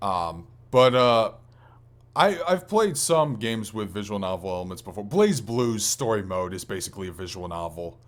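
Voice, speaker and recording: Low-pitched man in casual podcast chat. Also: lively intonation, moderate pace. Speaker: podcast co-host. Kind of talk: casual chat about video games.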